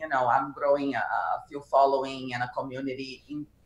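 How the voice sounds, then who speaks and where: A moderate pace with a Brazilian Portuguese accent. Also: woman. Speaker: crypto content creator. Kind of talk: interview.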